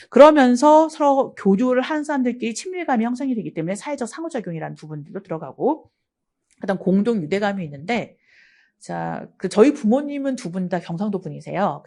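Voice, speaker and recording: A woman's voice: medium pitch, a little mellow. Woman, middle-aged, from Gangwon, exam-prep lecturer, chatty, anecdotal. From Gangwon Province, South Korea. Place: lecture studio.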